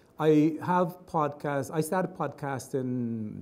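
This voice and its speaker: The voice has a dark, mellow tone and a Vincentian accent. Its pitch variation is ordinary. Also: man. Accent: Vincentian Caribbean, noticeable. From Saint Vincent and the Grenadines. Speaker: professor. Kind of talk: lecture. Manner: fast when excited; animated.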